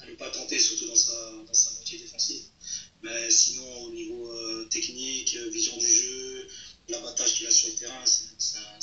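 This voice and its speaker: A man's voice: mid-range voice, bright, forceful tone, slight background noise. A man in his thirties from France, a footballer answering interview questions, hesitant and repeating words as he searches for them. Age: 30s. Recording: roomy, distant, dull lo-fi sound.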